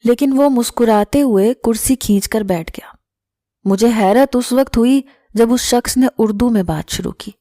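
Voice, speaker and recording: A woman's voice: a little high, warm tone, no room sound, studio quality. A woman narrating an emotional first-person story in an earnest reading style.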